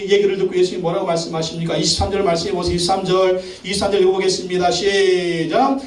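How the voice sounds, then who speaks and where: Male pastor, high voice, forceful preaching with repeated calls, echoey sanctuary picked up from a distance. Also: flat delivery, fast. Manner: emphatic, commanding declarations; repeats phrases for emphasis. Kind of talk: Sunday sermon. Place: large church sanctuary.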